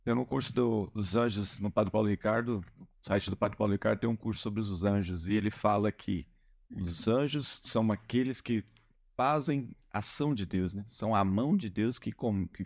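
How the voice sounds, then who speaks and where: A man's voice: on the low side, moderate pace, vocal fry. A man hosting a religious podcast, affirming his guest and explaining ideas with restarts. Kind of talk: casual religious podcast chat.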